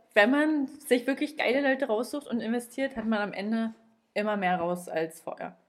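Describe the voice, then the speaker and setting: A woman with a normal speaking voice talks at a moderate pace, her fairly high pitch showing ordinary variation. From Germany, Lower Lusatia (Forst, Brandenburg). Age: 20s. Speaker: social media manager. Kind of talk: casual interview chat.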